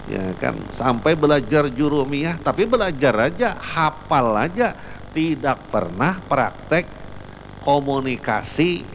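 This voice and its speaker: A man's voice: on the high side, expressive, measured pace, a little hiss or hum, poor audio. A man giving a religious lecture, emphatic and repetitive as he tells everyday anecdotes. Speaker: preacher.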